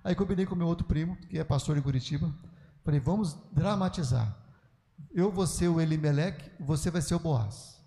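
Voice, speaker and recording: A man's voice: fairly high pitch, fairly quick, creaky, dark tone, long reverb tail. An older man with a Brazilian Portuguese accent, a pastor teaching a church class in a conversational, folksy way full of asides.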